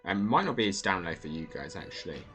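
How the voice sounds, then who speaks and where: A man's voice: low voice, big pitch swings, fast talker, sharp tone, soft background music. A man streaming a video game, thinking aloud in a casual, rambling way with many fillers. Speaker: gaming streamer. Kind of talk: casual gameplay commentary.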